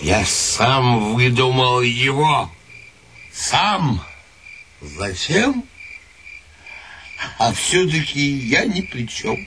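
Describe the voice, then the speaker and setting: An actor playing a drunken old hermit inventor in a radio drama, hoarse, slurred, muddled and self-pitying. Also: male voice, mid-range voice, sing-song, very slow, long pauses, sharp tone, a little hiss or hum, heavily acted. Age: older.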